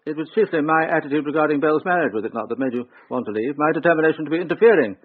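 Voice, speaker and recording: An actor playing an older country squire who is formal, restrained and earnest, in a radio drama. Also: male voice, fairly high pitch, expressive, very fast, husky. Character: older country squire, stiff but pleading man. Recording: tinny narrowband radio broadcast.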